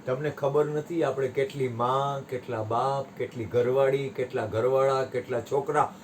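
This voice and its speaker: Animated man giving a spiritual talk. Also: mid-range voice, normal speed, slight background noise. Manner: animated storytelling, voice rising and dropping sharply. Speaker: spiritual teacher. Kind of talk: satsang discourse with storytelling.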